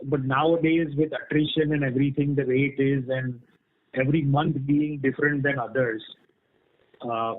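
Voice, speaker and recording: On a dull, band-limited conference line, a man with a mid-range voice answers questions as a company executive. He explains things in a frank, spontaneous way, often checking that he is followed. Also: mid-range voice. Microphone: conference call.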